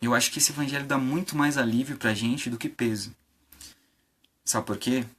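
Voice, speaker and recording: A man's voice: mid-range voice, moderate pace, fairly bright tone, breathy edge. A man preaching an informal sermon on a live stream, conversational, with many fillers and rhetorical questions.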